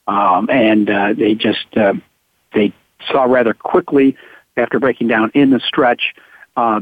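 A man hosting a racing radio show over a thin, phone-like line, his voice slightly hoarse. He stops often with "uh" and lifts with enthusiasm when he talks about winners. The sound is dry and close. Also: medium pitch, dry recording. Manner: halting, full of uh fillers, enthusiastic about winners. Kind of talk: horse racing talk radio. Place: at home on a farm.

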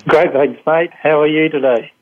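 A man's voice: on the high side, steady tone, moderate pace. A man with a New Zealand accent, a guest answering interview questions in a rambling way with many fillers and restarts, heard over a phone call. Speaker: guest, energy healer. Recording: tinny phone line.

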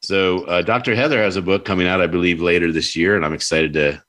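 Upbeat low-voiced male host, loose and playful in conversation. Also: steady tone, fast, a bit bright. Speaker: podcast host. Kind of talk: casual interview chat.

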